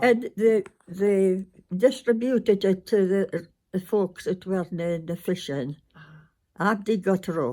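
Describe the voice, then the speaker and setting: With a northeast Scottish accent, a woman speaks at a very slow pace. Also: medium pitch for a woman, ordinary pitch variation. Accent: Doric Scots. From northeast Scotland. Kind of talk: oral history interview answer.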